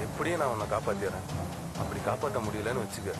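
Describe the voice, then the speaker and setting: A man's voice: lowish voice, quick pace, natural voice. An actor playing a defiant young hero who reassures his lover and stands up to a cop. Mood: reassuring. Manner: defiant, shouting when challenged. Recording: film audio from phone with loud music.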